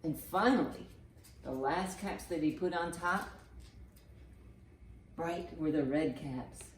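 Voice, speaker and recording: A woman's voice: deep voice, slow pace, a little hiss or hum. A woman hosting a children's storytime, speaking expressively and putting simple questions to young listeners. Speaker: children's librarian and storytime host. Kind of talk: animated children's storytime read-aloud.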